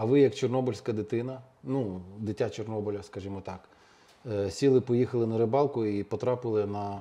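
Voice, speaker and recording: A man talks at a moderate pace against a quiet background, his medium-pitched voice dark and mellow with fairly even intonation. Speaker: oral history interviewer. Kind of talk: interview questions.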